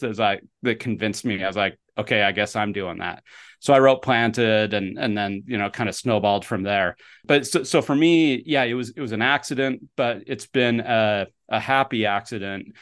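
A plain, everyday voice from a man at a moderate pace, with ordinary pitch variation and a quiet background. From Utah, US (Sandy, Salt Lake suburb). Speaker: professor. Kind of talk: casual chat.

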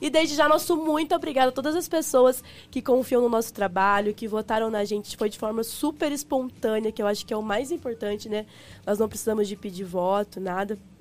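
A woman's fairly high voice, a normal speaking voice, at a fairly quick pace with lively intonation. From Nuporanga, interior of São Paulo state. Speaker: podcast co-host.

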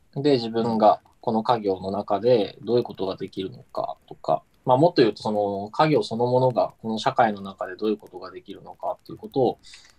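Medium-pitched man, dark and mellow in tone, fairly quick with hardly any pauses, ordinary pitch variation, big swings in loudness and a dry, close sound with no echo. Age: 30s. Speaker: family business executive. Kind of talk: interview. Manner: thoughtful, pausing.

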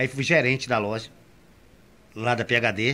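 The man's voice has a bright, sharp tone. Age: young. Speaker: entrepreneur. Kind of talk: casual interview. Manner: halting, repeats words.

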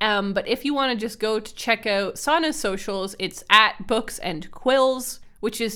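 Lively intonation and a bright, sharp tone come through in a very clean recording with a silent background. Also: woman. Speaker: book podcast co-host. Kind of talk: casual chat. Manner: animated.

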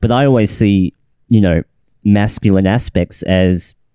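A man with an Australian accent and a fairly low pitch talks with ordinary pitch variation, the sound dry and close with no echo over a quiet background. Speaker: podcast host. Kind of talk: casual chat.

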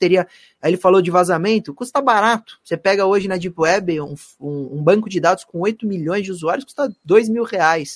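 Recorded very cleanly against a silent background, a man with a high pitch and ordinary pitch variation sounds dry and close, with no echo. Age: 30s. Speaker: digital law professor. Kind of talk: casual interview chat.

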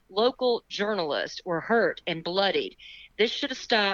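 In a quiet background with a dry, close sound and no echo, a woman with a Southern US accent speaks at a moderate pace with ordinary pitch variation. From Birmingham, Alabama. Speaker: radio co-host. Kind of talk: casual chat. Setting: phone call.

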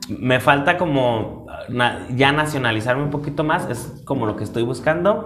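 Noticeable background noise and audible room echo surround a man's voice. He talks at a moderate pace with fairly high pitch and lively intonation. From Mexico, La Laguna region. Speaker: clown, actor and stand-up comedian. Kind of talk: casual chat.

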